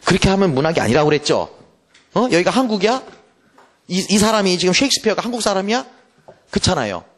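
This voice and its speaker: High, lively male lecturer, teasing. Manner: teasing, asks students quick rhetorical questions; reads English verse slowly and deliberately. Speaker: English literature exam-prep lecturer. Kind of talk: classroom lecture.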